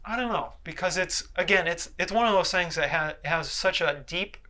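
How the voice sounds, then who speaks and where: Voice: medium pitch, moderate pace, pushed and bright. A co-host of a movie review show chatting casually, in an informal, wry way. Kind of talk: casual chat about movies.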